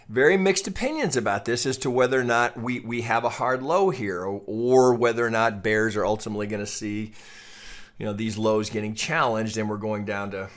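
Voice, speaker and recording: Casual, opinionated male trading analyst. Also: on the low side. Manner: conversational, opinionated, casually profane, often checking with "right?". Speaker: trading educator and market analyst. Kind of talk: informal screen-share chart commentary.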